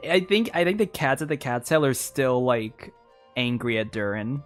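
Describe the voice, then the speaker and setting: A woman's voice: rumbling low, animated, moderate pace, soft background music. A woman livestreaming a game with casual, rambling, exclamatory commentary. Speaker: game streamer.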